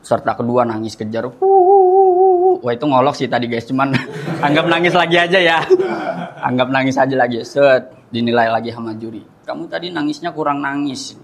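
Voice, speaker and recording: A man's voice: mid-range voice, fairly quick. A young man doing stand-up comedy, chatting and often turning to the crowd.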